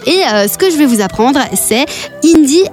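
A woman's voice: high-pitched, lively intonation, moderate pace, a little mellow, faint music behind. A woman from Belgium hosting a radio show in casual chat, playful and laughing often.

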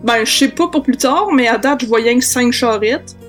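Woman voicing an easygoing male hobbit, Québécois, high voice, faint guitar behind. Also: moderate pace, a bit bright, close to an everyday voice. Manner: casual, hesitant.

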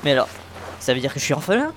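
A man's voice: fairly high pitch, sing-song, racing, fairly bright tone, a little hiss or hum. A man voicing a sarcastic young orphan hero who grumbles and wisecracks, in a fan cartoon dub. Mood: cheeky. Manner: sarcastic, cheeky.

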